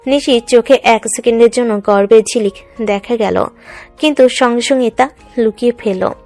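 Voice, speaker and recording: A woman's voice: fairly high pitch, moderate pace, darkish tone. A woman reading dramatic scripted narration for a love story. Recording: music under the voice.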